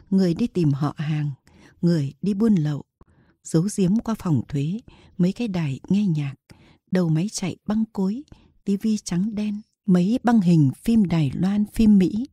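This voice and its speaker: A woman reads a historical novel aloud in a steady storytelling manner. Her voice is husky with a very dark, mellow tone, recorded close and dry. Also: lowish voice, moderate pace, no echo. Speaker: audiobook narrator. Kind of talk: scripted novel narration.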